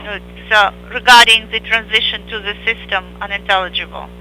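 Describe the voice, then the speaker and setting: A man with a very high, piercingly bright voice interprets a live radio exchange. His phrasing is halting and comes in pieces, over a faintly humming radio feed. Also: little pitch movement, a little hiss or hum, poor audio.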